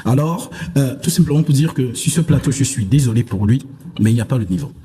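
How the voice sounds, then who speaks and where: A man's voice: medium pitch, expressive, quick pace, warm tone, slight background noise. A man from Africa speaking as a preacher in a televised religious debate, with a self-assured, boastful and dismissive manner.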